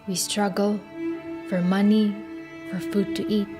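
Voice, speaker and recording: A grave immigrant woman voiced by an actress speaks very slowly in a film trailer monologue. She is selfless and full of sorrow, with music clearly playing behind her measured words. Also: mid-range voice, little pitch movement, close to an everyday voice. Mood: sorrowful.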